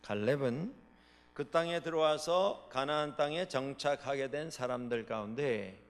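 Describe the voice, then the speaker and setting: A man delivers a Sunday sermon from a church sanctuary, his voice of ordinary pitch trailing off into a long hall reverb. He preaches dramatically, building to loud declarations and then falling back to low, quiet asides. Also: unhurried. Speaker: pastor.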